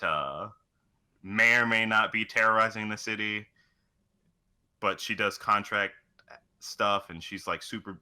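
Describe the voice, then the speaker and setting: A low-pitched man with a very bright, forceful voice, chatting loosely as a podcast co-host. He rambles through casual game talk and swears heavily. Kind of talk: casual chat about video games.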